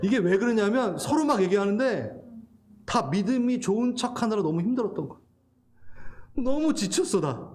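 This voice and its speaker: Male pastor, middle-aged, higher voice, very expressive pitch, laughs through stories, earnest sermon. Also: normal speed. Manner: laughing, emotional storytelling turning to earnest preaching.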